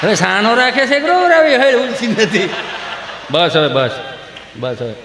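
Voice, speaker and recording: A man with a high voice tells comedy stories live on stage. He keeps it animated and breaks into squeaky voices for children and mothers. The sound carries the boom of a large hall. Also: moderate pace, background noise. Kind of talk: live Gujarati folk comedy storytelling. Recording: echoey hall live recording.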